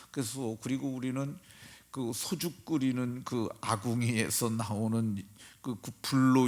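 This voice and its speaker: The background is silent in this very clean recording. Delivery is very slow. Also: man. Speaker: pastor. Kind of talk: sermon. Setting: church. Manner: formal.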